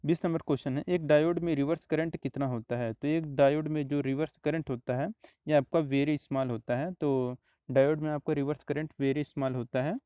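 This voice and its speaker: A man's voice: on the high side, fairly quick, smooth, no room sound. Man explaining exam answers, dry close sound. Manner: steady explanatory, repeats answers, frequent "तो देखिए" and "आपका". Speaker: exam prep teacher. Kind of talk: explaining exam questions over slides.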